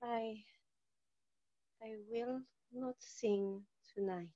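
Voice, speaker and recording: A woman playing a bewildered, submissive opera diva in a trance, halting, in a staged play reading. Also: a little high, dark tone, no echo. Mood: dazed obedience. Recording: dull, dry video-call audio.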